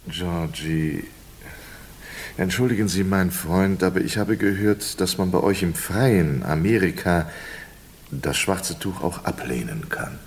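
A man's voice: low-pitched, unhurried, vocal fry, a little hiss or hum. An actor playing a sly condemned foreign man who mocks his executioners, teasing with whispers and laughs in a radio play. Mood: mocking. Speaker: condemned prisoner.

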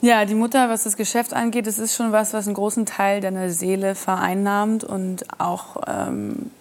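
A woman's voice: mid-range voice, little pitch movement, moderate pace, darkish tone. Reflective woman talk-show guest. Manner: earnest, reflective, searching for words. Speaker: guest singer.

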